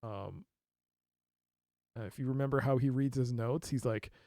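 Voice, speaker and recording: A man's voice: medium pitch, normal speed, mellow, slight background noise. A man streaming a mystery game, reading case notes aloud and reacting with laughs and asides. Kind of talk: casual let's play commentary.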